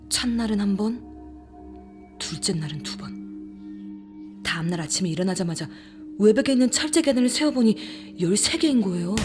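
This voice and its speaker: A woman playing a frightened young woman who recounts a ghost story in a hushed, confiding, suspenseful way. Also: medium pitch, close to an everyday voice. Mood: uneasy suspense, then growing dread. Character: frightened young woman recounting her haunted rented room. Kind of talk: dramatic first-person horror audiobook narration.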